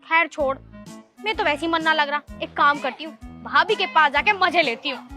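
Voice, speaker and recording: A woman playing a scheming, sharp-tongued village wife in a comedy skit. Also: high voice, normal speed, soft background music. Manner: sly, mocking.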